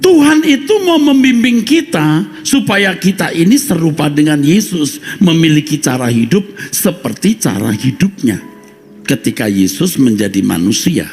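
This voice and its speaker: A man preaching a sermon as pastor, animated, breaking into acted-out anecdotes. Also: fairly high pitch, a little slow, soft background music. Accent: Indonesian.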